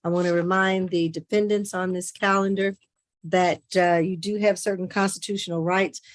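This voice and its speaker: A woman judge giving formal, measured procedural explanations to open a court hearing. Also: on the low side, level tone. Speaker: judge presiding over a court calendar. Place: remote court hearing on video call.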